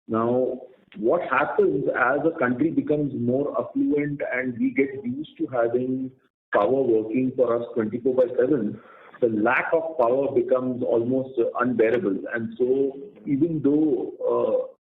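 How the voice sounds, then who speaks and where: A man speaking as a company executive on an earnings call, explaining in a halting way and repeating words. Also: medium pitch, fairly even intonation. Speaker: company executive answering analysts. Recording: roomy, tinny conference phone line.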